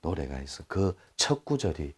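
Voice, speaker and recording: Lively lecturing man. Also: extremely low pitch, normal speed, breathy edge. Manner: animated, acts out quoted speech, addresses listeners directly. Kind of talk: live lecture to an audience.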